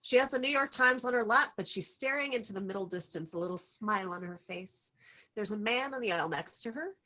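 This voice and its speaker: A woman's voice: medium pitch, a little fast, pushed and bright. Narrator for a table read: woman with mid-range voice, reading scene directions.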